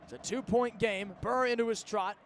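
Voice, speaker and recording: A man's voice: sits high, steady tone, normal speed, a little hiss or hum. A young American man calling live football play-by-play in an emphatic, dramatic way. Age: young adult. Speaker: sports play-by-play announcer. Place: stadium football broadcast.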